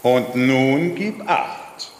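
A man playing an obedient, jovial bottle genie in a children's audio drama, with a sonorous voice and a grand, servile, drawn-out delivery. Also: lively intonation. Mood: grandly obliging. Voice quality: deep, sonorous bass voice. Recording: noisy, echoey drama excerpt with background ambience.

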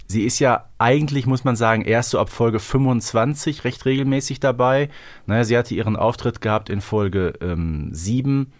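A man's voice: mid-range voice, no echo. A man in his forties co-hosting a podcast in a casual, conversational style. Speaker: podcast co-host. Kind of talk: casual chat.

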